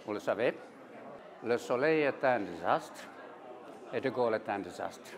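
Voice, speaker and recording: A man's voice: fairly low pitch, animated, measured pace. A man in his seventies, a native Swedish speaker, fluently telling an anecdote with dry humor. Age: 70s. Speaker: alumnus. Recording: busy reception crowd behind.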